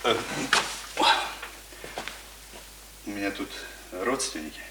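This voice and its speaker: A man playing an awkward, middle-aged gentleman caller in a radio play, stiffly polite and halting. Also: fairly low pitch. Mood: awkward, hesitant. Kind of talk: Russian radio play acting. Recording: echoey, distant, noisy radio recording.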